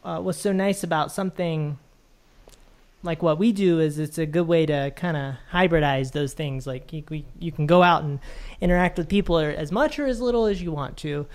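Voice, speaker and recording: Thoughtful man hosting a relaxed chat. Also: a little high, moderate pace. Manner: thoughtful, reflective, with frequent restarts. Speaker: podcast host. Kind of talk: casual conversation.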